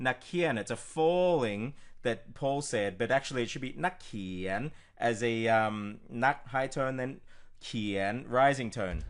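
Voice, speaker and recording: A man coaching on pronunciation, walking through a screen recording in an informal way with frequent ums and restarts. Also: medium pitch. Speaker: language coach. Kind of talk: screen-recorded teaching walkthrough.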